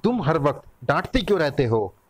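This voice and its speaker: A man's voice: fairly high pitch, sing-song, normal speed, husky, no echo. A man voicing a cheeky little girl. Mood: indignant. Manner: cheeky, giggly, innocent.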